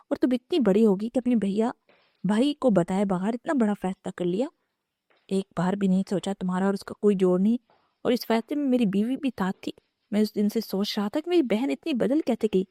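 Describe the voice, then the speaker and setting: A woman's voice: medium pitch, mellow, dry recording, studio quality, close to an everyday voice. A woman voicing an angry, protective older brother in a storybook reading, furious and bitter.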